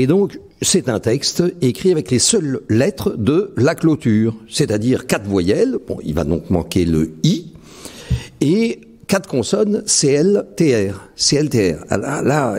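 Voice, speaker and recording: A man giving a live public poetry reading. He explains his method haltingly, then reads his verse with rhythmic emphasis. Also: mid-range voice, big pitch swings, gravelly, dark tone, husky. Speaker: poet reading his own work. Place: library event before a live audience.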